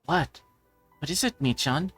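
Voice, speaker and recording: Man putting on a high-pitched anxious teenage schoolgirl. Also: animated, measured pace, fairly bright tone. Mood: curious. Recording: background music.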